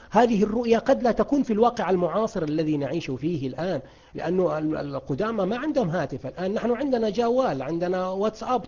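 Male grammar teacher, slightly high, husky voice; coaxing and quizzing his class. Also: a little mellow, lo-fi sound. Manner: asks students questions and praises their answers. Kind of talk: online grammar lesson.

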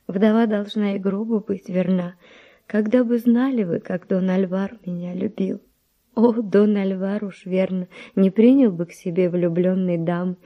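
An actress playing a virtuous young Spanish noble widow, with refined, breathy, emotional delivery in a verse radio drama. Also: female voice, medium pitch, lo-fi sound. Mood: wistful reproach.

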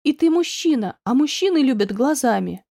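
A woman's voice: sits high, animated, moderate pace, creaky, warm tone, dry recording, clean studio sound, heavily acted. A woman playing a distraught young woman near tears. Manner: pleading, raised, tearful outbursts.

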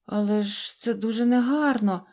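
A woman's voice: fairly high pitch, moderate pace, darkish tone, close to an everyday voice. A woman voicing a sensible little fairy-tale girl who speaks frankly and doubtfully. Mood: skeptical.

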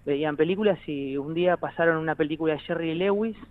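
A musician in his thirties with an Argentine Spanish accent rambles, jokes and laughs often as a guest in a casual interview chat. His voice is fairly high and quick, and the audio is narrow and tinny.

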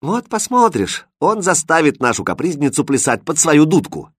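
An eager talking pea pod argues his point, voiced by a male reader. The voice is husky and animated, dry and close. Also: fairly high pitch, moderate pace, dry recording, pitched above the performer's own voice. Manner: eager, arguing. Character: talking pea pod, argumentative kitchen helper.

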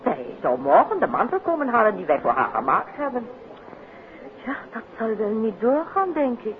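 An actress playing a polite, gushing dress-shop keeper in a 1950s radio play, courteous and effusive. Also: female voice, a little high, very animated, moderate pace. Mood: concerned, lamenting. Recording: muffled, narrow-band vintage radio recording.

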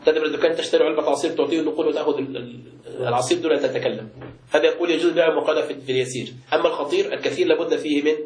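شيخ سريع الكلام بلهجة مصرية في قاعة درس. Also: male voice, a little high, fairly even intonation, racing, a little mellow, echoey room. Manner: explains by asking the class and answering himself. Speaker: sheikh teaching a book class. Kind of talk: classroom lecture with questions.

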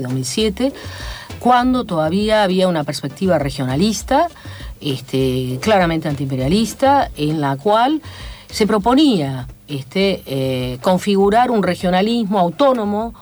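A woman from Chile, speaking with a Chilean accent, holds forth as a guest on a radio interview. Her voice sits on the low side yet rises and falls in wide, lively swings. She talks in a measured, lecturing way and pads her thoughts with frequent fillers. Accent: Chilean Spanish. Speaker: guest, academic commentator. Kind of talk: radio interview, analytical talk. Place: radio studio.

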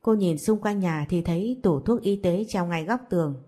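A woman storyteller reads the narration in an even, steady manner. Her voice sits on the low side and sounds dark and mellow. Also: normal speed. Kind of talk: scripted narration.

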